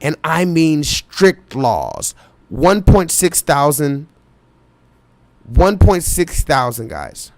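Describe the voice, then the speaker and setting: Guy on a live stream reading comments out, kinda high voice, dry close mic, keeps repeating himself urgently. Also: big pitch swings, drawn-out words, no room sound. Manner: urgent, insistent, repeats himself, addresses chat directly.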